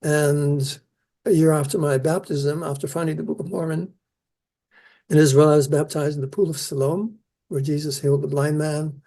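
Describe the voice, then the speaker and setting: Gravelly older man, earnest scholar. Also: fairly high pitch, level tone, mellow. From Netherlands, raised in New Zealand. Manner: earnest, measured, with restarts. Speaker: Isaiah scholar, keynote speaker. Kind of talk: interview answers.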